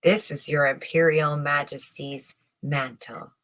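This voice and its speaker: A woman voicing fawning, oily swindler tailors in a storybook, speaking with ceremonious flattery. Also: low voice, slow pace. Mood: oily, reverent. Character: two fawning, oily swindler tailors presenting invisible clothes.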